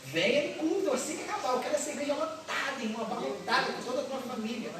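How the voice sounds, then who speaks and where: A high-pitched preacher delivers an emphatic, repetitive sermon full of rhetorical questions. The voice rings through a large, very echoey church hall and is picked up from well back from the speaker. A faint murmur of room ambience sits beneath it. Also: lively intonation, rapid-fire, distant mic, crowd noise. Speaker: pastor. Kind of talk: passionate sermon. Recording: echoey hall, recorded from afar.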